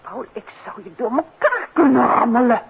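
An actress playing a detective's curious, teasing wife in a 1950s radio play, bantering and playfully nagging. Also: female voice, fairly high pitch, very animated, moderate pace, vocal fry. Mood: exasperated, playful. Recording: muffled, hissy 1950s radio recording.

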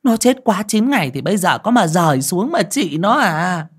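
Woman voicing a shrill scolding old aunt. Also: big pitch swings, unhurried, slightly rough, exaggerated voice. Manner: shrill, berating, superstitious scolding. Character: harsh scolding older woman, clan head's wife.

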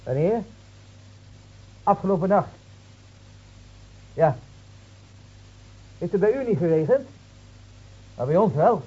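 An actor playing an exasperated gendarme on the telephone in a radio drama, clipped and insistent. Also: male voice, sits high, expressive, slow, pauses often, a little mellow, breathy edge, full character voice. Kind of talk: Dutch radio drama acting. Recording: muffled old radio recording.

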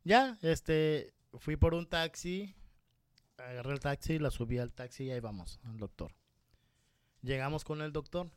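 A man's voice: on the high side, measured pace, smooth. A man from Mexico with a Mexican accent, casually telling a personal story and acting out the voices in it. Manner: lively anecdotal, acts out quoted voices.

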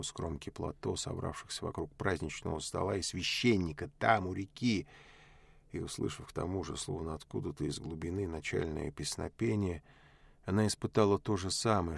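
A man reads literary prose in a measured, unhurried way. His voice is very deep, with a gravelly edge. The sound is dry and close, with no room around it. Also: dry recording. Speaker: audiobook narrator. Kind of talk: literary audiobook narration.

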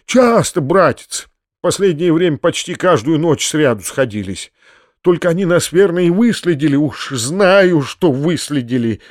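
A man voicing an excitable kind-hearted uncle, raised and loud. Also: a little high, unhurried, no room sound, studio quality. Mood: earnest. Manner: agitated, emotional outbursts.

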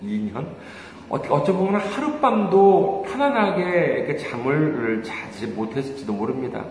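A man's voice: mid-range voice, big pitch swings, normal speed, darkish tone. A man preaching a sermon as a pastor, conversational and full of rhetorical questions, with many hesitant fillers and little chuckles. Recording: very echoey hall, faint room noise.

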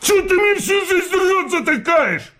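A man acting a gruff, sullen, hard-drinking working-class husband in a comic radio play, blunt and defensive. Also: very high voice, expressive, a little slow, pushed and bright, full character voice. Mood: indignant shouting. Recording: studio radio play, faint music behind.

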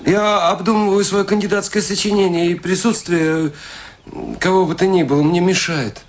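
An actor playing a stubborn, pompous young student in a radio play, petulant and sulky, in clipped phrases. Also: male voice, sits high, steady tone, moderate pace, close to an everyday voice. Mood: aloof, pompous. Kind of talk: Russian radio play acting.

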